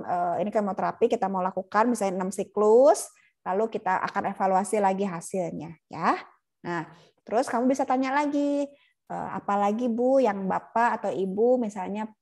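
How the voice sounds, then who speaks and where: A woman with a medium-pitched, darkish voice gives a casual online lecture on palliative care. Her style is chatty, she laughs often, and she acts out lines from patients and nurses as role-play examples.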